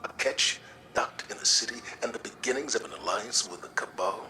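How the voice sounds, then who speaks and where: Deep-voiced, solemn military leader. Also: male voice, a little hiss or hum, rough recording. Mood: earnest, persuasive. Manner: measured, earnest, weighty. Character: solemn, measured male military leader, loyal and persuasive. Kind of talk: dramatic video game acting. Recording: loud music under the dialogue.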